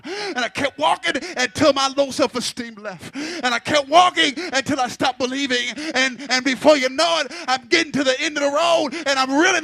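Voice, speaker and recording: A man's voice: very high voice, gravelly, sharp tone. A man preaching a sermon into a pulpit microphone, building fervor and teasing the congregation to respond.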